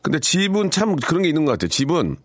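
A man's voice: a little high, very animated, quick pace, no echo. A man hosting a live radio call-in show, chatting with a caller and reading out listener texts. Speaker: radio host. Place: radio studio.

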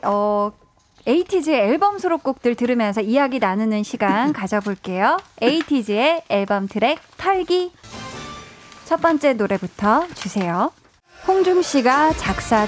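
A woman hosting a radio interview, reacting often and reading out listener messages. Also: fairly high pitch. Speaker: radio host.

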